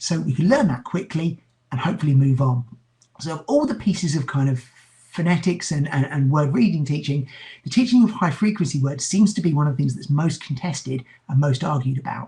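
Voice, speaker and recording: A man with a London accent speaks at a fairly quick pace. His voice is fairly high, with lively intonation. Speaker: education writer and webinar presenter. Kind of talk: educational webinar lecture. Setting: online webinar. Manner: hesitant, with fillers and repetitions.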